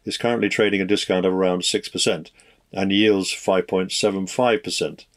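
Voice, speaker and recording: Low-voiced man presenting market news. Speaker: podcast host. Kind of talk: scripted financial market news narration.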